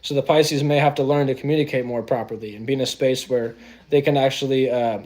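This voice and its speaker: A man's voice: mid-range voice, steady tone, fast talker, a little mellow. Chatty astrology streamer man, AAVE slang. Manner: loose and chatty, keeps saying "you know what I'm saying"; drops into slang. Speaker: astrology livestream host. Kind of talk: casual livestream talk.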